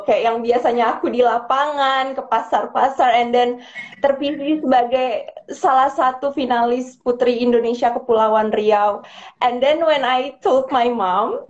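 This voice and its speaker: Young pageant finalist, eager, a bit higher voice, dull lo-fi call audio. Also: female voice, unhurried. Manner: eager, switches between languages. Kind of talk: casual interview answers, mixing English.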